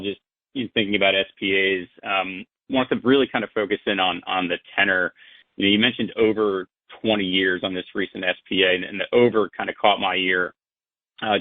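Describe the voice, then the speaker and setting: Low, creaky-voiced man on a phone. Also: no echo. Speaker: financial analyst asking questions. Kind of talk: conference call questions, casual professional. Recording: narrow-band phone line.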